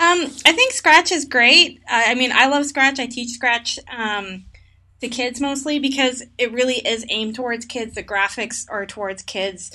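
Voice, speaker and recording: A woman's high-pitched voice at a fairly slow pace, with big swings in loudness and ordinary pitch variation. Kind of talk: casual chat.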